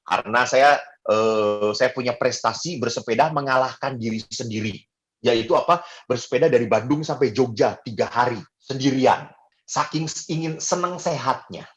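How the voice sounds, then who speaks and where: A middle-aged Catholic priest preaching a homily, telling personal stories in an animated, joking way with many fillers. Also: male voice, mid-range voice, normal speed. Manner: animated, jokey storytelling with fillers.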